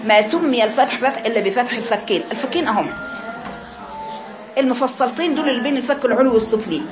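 High-voiced Egyptian woman teaching recitation. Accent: Egyptian Arabic. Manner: corrective, repeatedly demonstrating drawn-out chanted syllables. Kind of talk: classroom recitation lesson.

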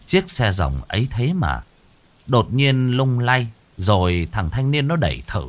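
A male storyteller narrates a rainy village funeral horror tale with dramatic flair. His voice is mid-pitched and very lively, rising and falling with the mood. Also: unhurried. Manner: dramatic, expressive, swinging tone.

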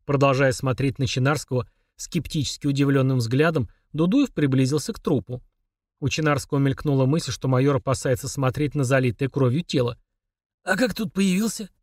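A man reading a detective novel aloud in an expressive storytelling manner. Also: medium pitch, fairly quick, no room sound, studio quality. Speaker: audiobook narrator. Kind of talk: scripted narration.

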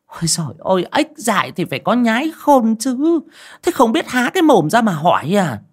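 A shrill older aunt scolds her relatives in a spoken ghost story, put on by a woman narrator. Her voice climbs high and loud, with a husky edge and wild swings in pitch. She sounds bossy and fearful. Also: very animated, a little slow, full character voice. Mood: shrill scolding. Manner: shrill, berating, superstitious scolding. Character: harsh scolding older woman, clan head's wife.

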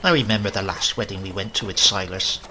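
A man putting on a sharp-tongued old grandmother. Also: deep voice, fast talker, a little hiss or hum, low-quality recording. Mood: scolding. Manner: scolding, bossy.

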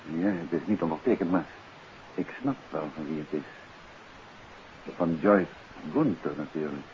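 An actor playing a composed, inquisitive detective in a 1950s radio drama, probing in a conversational way. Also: male voice, sits low, lively intonation, normal speed. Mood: thoughtful. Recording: dull 1950s radio recording, faint hiss.

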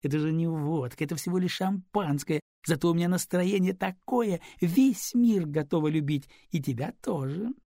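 A man's voice: on the high side, moderate pace, hardly any pauses, dark tone, no echo, clean studio sound, voice pushed up, natural voice. Man putting on a tipsy cooing young mother. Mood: playful. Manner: cooing baby talk, scolding.

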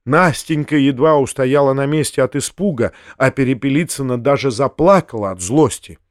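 A man reading a classic novel aloud as an audiobook narrator, measured and even. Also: medium pitch, dry recording, studio quality. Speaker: audiobook reader. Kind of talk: scripted literary narration.

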